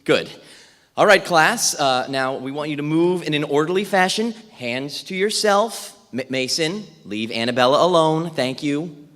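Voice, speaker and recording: A man playing an overworked, well-meaning fourth-grade teacher in a theatrical monologue, halting and emphatic, with asides. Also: a little high, expressive, a bit bright. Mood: brisk, herding. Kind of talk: theatrical monologue, dramatic stage reading. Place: reverberant indoor hall at a live reading. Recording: echoey hall, music behind.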